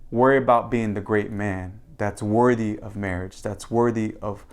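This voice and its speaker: A man's voice: lowish voice, steady tone, normal speed, smooth. A man giving casual advice in a monologue, speaking in an earnest, confident, conversational way like a coach. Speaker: podcast co-host giving advice.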